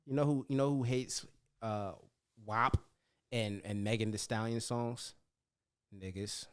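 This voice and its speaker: A man co-hosting a casual podcast, talking in animated bursts that trail off and restart. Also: on the low side, measured pace, smooth. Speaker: podcast co-host.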